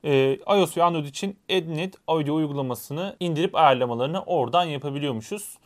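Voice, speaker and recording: Quick lively guy doing a tech unboxing, kinda high voice, rattles off specs. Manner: quick, animated, explaining features. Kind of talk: casual unboxing chat.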